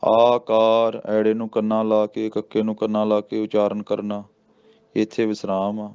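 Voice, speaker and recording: Man, scripture recitation teacher, slow deliberate chanting, low even voice, smooth warm tone, slightly dull recording. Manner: slow, deliberate chanting of verses between plain explanations. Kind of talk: slow scripture pronunciation lesson. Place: Sikh religious school.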